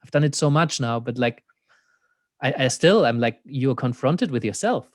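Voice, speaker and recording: A man's voice: mid-range voice, animated, moderate pace, no echo, studio quality. A man with a German accent, an existential coach talking thoughtfully as an interview guest, laughing often and leaning on "you know.". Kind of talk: reflective conversational interview.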